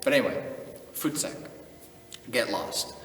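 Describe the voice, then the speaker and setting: A man's voice: medium pitch, expressive, unhurried, fairly bright tone, distant mic. A young man from the United States, chatting casually on his own video channel, laid-back and chuckling often. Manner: laid-back, chuckling, drops in Afrikaans phrases. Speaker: channel host. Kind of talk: casual vlog talk. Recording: echoey room, voice from off-mic, faint noise.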